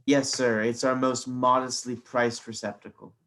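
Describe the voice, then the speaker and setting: A man's voice: mid-range voice, little pitch movement, moderate pace, fairly bright tone, close to an everyday voice. A stiffly polite funeral director played by a man in a virtual script read. He speaks formally and a bit hesitantly, in a mid-range voice with an officious, prim manner. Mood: prim, patient. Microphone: video call.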